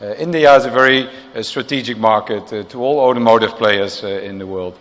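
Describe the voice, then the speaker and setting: A middle-aged Dutch man speaks at a press event with a faint South African tinge in his accent. His voice sits low, and he stops often on "uh" and restarts his phrases. The sound carries a long echo from a large hall. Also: brisk, a bit bright. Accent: Dutch with a slight South African tinge. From Netherlands. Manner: hesitant, many uh fillers and restarts. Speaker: corporate marketing executive. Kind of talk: press conference speech.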